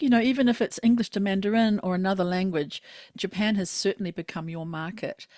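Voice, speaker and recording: A woman's voice: lowish voice, darkish tone, no echo, clean studio sound. A woman hosting an interview, enthusiastic and affirming with her guest. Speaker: podcast host. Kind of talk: interview conversation.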